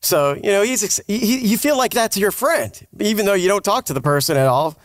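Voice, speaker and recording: Higher-voiced man, dry close podcast sound. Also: animated, brisk, no room sound. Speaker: podcast host. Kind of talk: casual chat.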